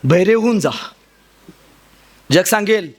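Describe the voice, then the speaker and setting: A man giving a motivational speech to students, telling a story dramatically and rising to shouts at its peaks. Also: high-pitched, lively intonation, takes it slowly. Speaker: motivational speaker.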